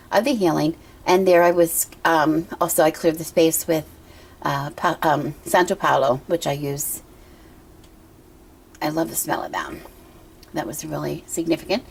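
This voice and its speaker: A middle-aged woman with a hoarse voice from a cough, talking at home in a casual show-and-tell vlog, gentle and meandering with many ums and pauses. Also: low voice. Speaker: pagan altar vlogger. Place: indoor room at home with a water feature. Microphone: camera she handles herself.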